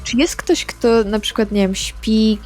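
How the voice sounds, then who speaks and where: A woman's voice: a little high, a little slow, darkish tone, soft background music. A woman playing a tabletop role-playing game, casually describing what her character does.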